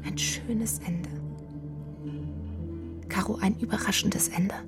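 An actress playing a calm, eerie young woman who whispers softly and persuasively in a radio play. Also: medium pitch, slow, music in the background, close to an everyday voice. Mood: dreamy. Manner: soft, dreamy persuasive whispering. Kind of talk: radio play acting and narration.

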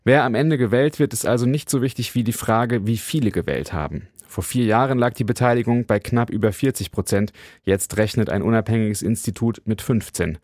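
A man reading a scripted radio news report in an even, formal manner, also voicing translations of interviewees. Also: medium pitch, fairly quick, no room sound, studio quality. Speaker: radio correspondent.

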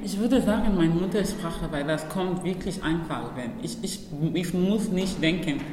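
A woman's voice: lowish voice, moderate pace, noisy background. A woman from Cameroon whose first language is Banzo, answering interview questions in German, laughing and searching for words. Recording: echoey room with faint ambience.

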